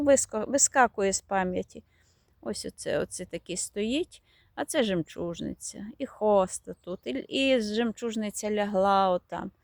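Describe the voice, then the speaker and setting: A woman's voice: medium pitch, creaky, dry recording. A woman chatting fondly as she walks through her garden, showing plants and now and then searching for their names. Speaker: garden vlogger. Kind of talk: casual garden tour vlog. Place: outdoors in a garden.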